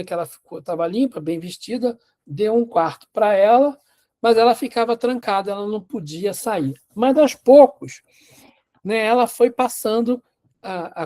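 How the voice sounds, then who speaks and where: Male teacher, casual storyteller, restarts a lot, mellow dark voice. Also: high-pitched. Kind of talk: storytelling in a class.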